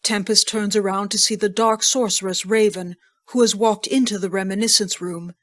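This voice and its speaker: A woman narrates an audio drama. Her voice sits at a medium pitch. She reads scene headings and actions from a script. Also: steady tone, moderate pace, fairly bright tone.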